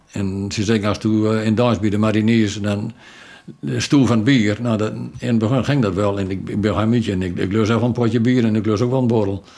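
Fairly quick male speech, fairly low in pitch, with fairly even intonation. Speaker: joke teller. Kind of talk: joke telling and casual interview. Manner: halting.

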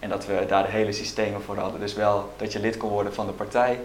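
The man speaks fairly quickly. There is noticeable background noise along with audible room echo. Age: 20s. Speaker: political party staff adviser. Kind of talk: interview. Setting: party office, shared microphone line.

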